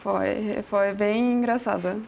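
A woman's voice: medium pitch, fairly even intonation, slow, vocal fry, a little mellow. A woman from Russia's Ural Mountains with a Russian accent, answering interview questions in a second language and searching for words as she goes. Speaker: talk show guest, fashion designer. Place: TV studio.

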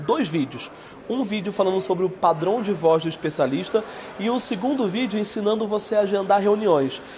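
São guy giving a sales lesson, highish voice, punchy and direct, acts out calls, bit of faint background noise. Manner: energetic and direct, speaks to the viewer and acts out sample calls. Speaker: sales trainer.

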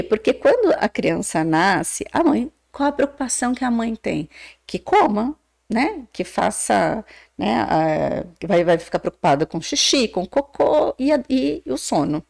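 A Brazilian woman psychologist talks as a podcast guest, her fairly high voice swooping up and down as she explains. There is a gravelly fry under her words, and she keeps checking in with her listeners with short questioning tags. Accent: Brazilian Portuguese. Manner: animated, acts out quoted voices, many "né?" tags.

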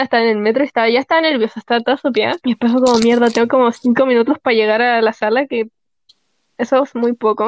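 A woman's voice: a little high, highs cut off. A young woman from Chile with a Chilean Spanish accent, co-hosting a podcast in casual chat. She rambles and fills her speech with filler words. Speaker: podcast co-host.

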